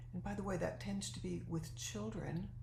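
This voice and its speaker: Audible room echo colors this speech, delivered at a moderate pace. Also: woman. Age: 80s+. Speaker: anti-human trafficking advocate. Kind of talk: interview conversation. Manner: halting, with frequent repetitions.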